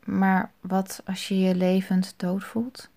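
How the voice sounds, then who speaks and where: A woman giving a quiet, thoughtful spoken reflection on a psalm. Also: medium pitch, completely flat delivery, slow pace, gravelly.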